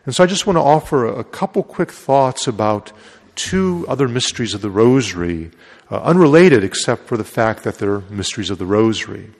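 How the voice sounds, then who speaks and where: A man's voice: medium pitch, expressive, a little fast. A man speaking as a Catholic priest, giving a Gospel reading and homily in a large church with cathedral-like echo. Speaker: Catholic priest, retreat preacher. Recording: cathedral-like echo, long hall reverb.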